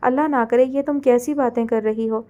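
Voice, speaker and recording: A woman's voice: fairly high pitch, fairly even intonation, brisk, mellow, muffled recording, natural voice. A woman voicing a remorseful married man who speaks in a subdued, apologetic way.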